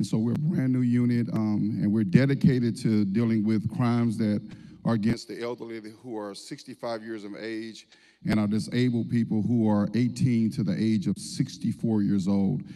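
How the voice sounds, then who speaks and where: With an American accent, a man talks at a medium pitch in a dark, mellow tone. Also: ordinary pitch variation, moderate pace. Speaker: police investigator. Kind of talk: community presentation. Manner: loud.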